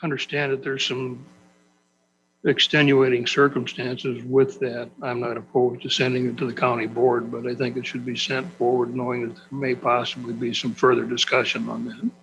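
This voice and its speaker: A man on a county committee making measured, formal remarks. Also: medium pitch, level tone, highs cut off. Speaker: committee member.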